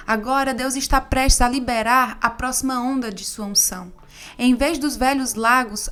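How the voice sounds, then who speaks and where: Higher-pitched woman reading an audiobook. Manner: steady, measured reading. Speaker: audiobook narrator. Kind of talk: scripted audiobook narration.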